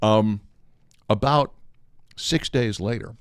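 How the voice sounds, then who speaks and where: A man's voice: on the low side, slow, clean tone, no room sound, clean studio sound. An older man telling a humorous anecdote in a casual, wry way, acting out the dialogue as he goes. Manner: animated, acts out quoted dialogue. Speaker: storyteller on a talk show.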